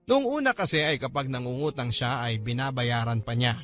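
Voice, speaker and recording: A man narrating a first-person letter as a radio story host, earnest, measured and expressive. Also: medium pitch. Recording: music bed behind narration.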